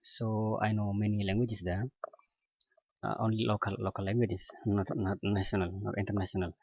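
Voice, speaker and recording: A man with husky speech who learned English as his fourth language talks slowly and haltingly, filling the gaps with fillers. The sound is dull and lo-fi, with no room echo. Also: fairly low pitch, flat delivery. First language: not English (English is his fourth language). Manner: hesitant, many pauses and fillers. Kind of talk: casual personal account.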